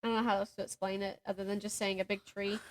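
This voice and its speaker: A woman's voice: mid-range voice, fast talker. A woman co-hosting a book podcast in casual, chatty banter, with an informal, slangy way of telling stories and acting out what people said. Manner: informal, slangy, animated retelling with acted-out quotes.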